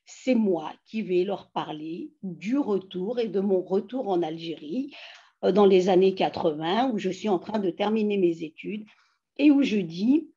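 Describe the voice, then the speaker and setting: A woman's voice: mid-range voice, a little slow, slightly rough. A woman in her fifties from France, telling her life story animatedly in a casual video-call interview from home. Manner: animated, emphatic storytelling with many fillers. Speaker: interviewee, feminist activist. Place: home living room. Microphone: laptop webcam mic on video call. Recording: dull lo-fi video call audio.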